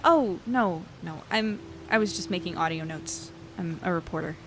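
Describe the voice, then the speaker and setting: A woman's voice: fairly low pitch, moderate pace, fairly bright tone, a little hiss or hum. Woman acting earnest, chatty young female reporter. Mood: awkward, guarded. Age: 20s. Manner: conversational, hesitant, thinking aloud. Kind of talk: audio drama, naturalistic monologue and dialogue.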